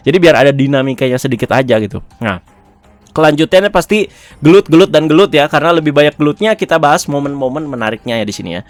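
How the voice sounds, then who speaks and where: A man's voice: on the high side, expressive, quick pace, no room sound. A man giving a casual, chatty review of a TV episode, often chuckling and tagging his phrases.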